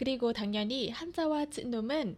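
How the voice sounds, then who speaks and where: A woman with a Vietnamese accent speaks at a fairly slow pace. Her high pitch swings very widely. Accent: Vietnamese-accented Korean. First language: Vietnamese (speaking Korean). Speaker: language teacher. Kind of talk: educational talk to camera. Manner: slightly halting, with fillers.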